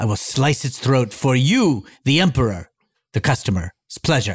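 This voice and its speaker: On a very clean recording with a silent background, a man speaks in a somewhat breathy voice. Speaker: improv performer. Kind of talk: improv scene.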